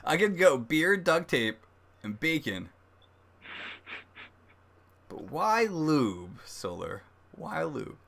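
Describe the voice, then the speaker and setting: A man hosting a casual livestream tasting review, speaking haltingly as he thinks aloud. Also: fairly high pitch, big pitch swings, gravelly, fairly bright tone. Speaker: host of a beer review livestream. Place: livestream, speaking beside a laptop.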